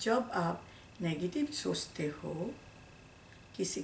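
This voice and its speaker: A woman speaks with a non-native accent at a fairly low pitch. Audible room echo surrounds her voice. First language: not Hindi (speaking Hindi). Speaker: spiritual teacher. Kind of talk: spiritual talk to camera.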